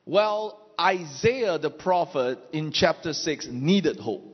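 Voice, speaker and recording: A man with a Southeast Asian accent preaching a sermon in short, emphatic phrases, pausing for an interpreter and repeating words for weight. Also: a little high, expressive. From Southeast Asia. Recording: muffled, long hall reverb.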